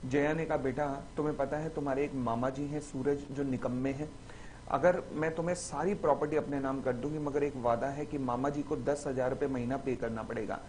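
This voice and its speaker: A man teaching a recorded exam-revision lecture, acting out little stories and reading definitions slowly, word by word. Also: medium pitch, slight background noise. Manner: lively, acts out little stories in the examples.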